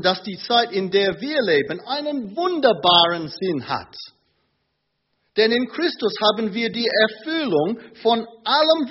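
Preacher, male, lively pitch, muffled lo-fi sermon tape. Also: slightly rough. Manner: slow, emphatic preaching with rising intensity; hesitant fillers between phrases. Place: church in Munich. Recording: dull lo-fi sermon recording.

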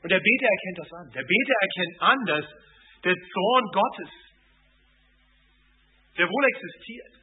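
A man's voice: high voice, animated, a little slow, pauses often. A man preaching a sermon, earnest and emphatic, repeating words for stress. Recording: phone-like narrow sound.

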